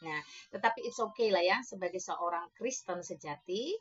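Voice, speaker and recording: A woman's voice: fairly low pitch, normal speed, slightly rough. A woman speaking as a Christian apologist, arguing emphatically to her viewers with rhetorical questions and English words mixed in. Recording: dull lo-fi recording.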